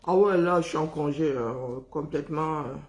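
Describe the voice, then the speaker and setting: Hoarse, worn-out Cameroonian woman streaming. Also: low voice, darkish tone. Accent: Cameroonian French. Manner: chatty, teasing, drawn-out sighs and hums. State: exhausted. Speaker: live-stream host. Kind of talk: casual live-stream chat greeting viewers.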